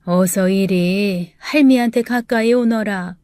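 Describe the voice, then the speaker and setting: Dying grandmother, gentle and frail, slow halting speech; a woman acts it. Dry booth sound. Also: mid-range voice, smooth, no echo, lightly acted. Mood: tender.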